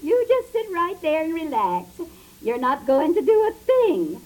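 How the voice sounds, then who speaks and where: An actress playing a bossy, well-meaning older aunt in a 1950s radio comedy, with a bustling, insistent manner. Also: female voice, high-pitched, wildly swooping pitch, measured pace, darkish tone, heavily acted, rough recording. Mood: bossy, fussing.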